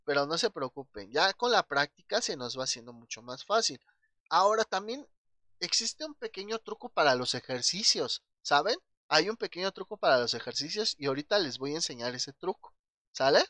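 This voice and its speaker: A man's voice: fairly high pitch, big pitch swings, normal speed, sharp tone, no echo. A man with a Mexican Spanish accent teaching an English grammar lesson, patient and checking in often with his class.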